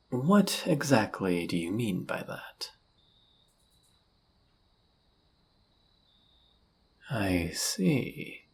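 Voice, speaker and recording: A man playing a suave, seductive demon in a flirty audio roleplay, husky and gravelly, with a teasing, theatrical, often murmured delivery. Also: lowish voice, heavily acted. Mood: smooth, bargaining. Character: suave seductive male demon, smug and dangerous.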